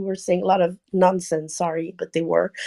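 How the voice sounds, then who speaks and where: A woman with a French accent talks at a fairly quick pace and a medium pitch. The sound is dry and close, with no echo. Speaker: audience speaker in online debate. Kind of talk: online debate contribution. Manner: halting with frequent repetitions.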